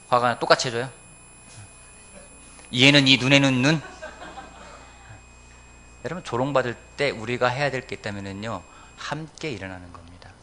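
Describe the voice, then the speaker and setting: A man preaching a Sunday sermon as pastor of a church, urging his congregation with emphatic swings between loud appeals and quiet, earnest lines. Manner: emphatic, rising to loud exhortations then dropping low. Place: church sanctuary.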